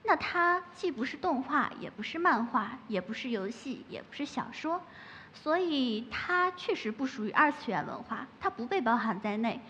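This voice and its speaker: A woman who makes ASMR, giving a lively public talk from a stage with playful asides. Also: high voice, moderate pace. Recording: echoey hall, muffled, faint noise.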